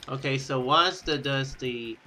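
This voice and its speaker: A man giving casual let's-play commentary, rambling and thinking out loud as he plays. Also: medium pitch, a little slow, soft background music. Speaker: gaming video host. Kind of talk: casual let's-play commentary, reading game text aloud.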